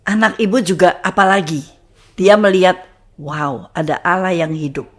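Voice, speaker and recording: A woman hosting a podcast, calmly affirming and summing up her guest's points. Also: on the low side, moderate pace. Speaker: podcast host. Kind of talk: casual chat.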